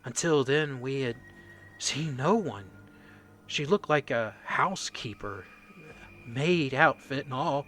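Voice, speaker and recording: A man acts out a shaken male corporal in a radio play. He speaks very slowly, in fragments, as if haunted by what he recounts. The voice is mid-pitched with a forceful, bright edge. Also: lively intonation, soft background music. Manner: halting, haunted, fragmented delivery. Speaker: voice actor.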